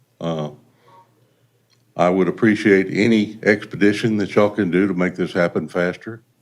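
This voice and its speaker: A man with a Texan accent, a fairly low pitch and fairly even intonation, at a moderate pace with long, frequent pauses. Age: 60s. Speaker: retired firefighter, public commenter. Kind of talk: public comment at council meeting. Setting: city council meeting.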